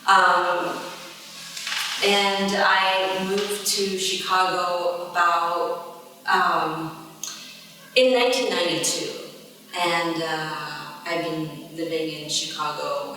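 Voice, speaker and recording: A middle-aged woman from Japan gives an unscripted artist talk, pausing often as she searches for words. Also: fairly low pitch, steady tone, sharp tone. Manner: halting, searching for words, many pauses. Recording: echoey hall, distant mic, faint ambience.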